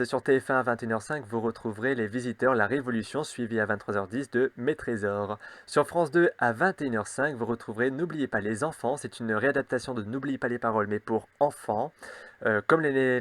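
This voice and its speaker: A man hosting a show, briskly reading out the evening TV schedule with casual asides and the odd filler. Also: mid-range voice, a bit bright, no room sound. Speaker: host.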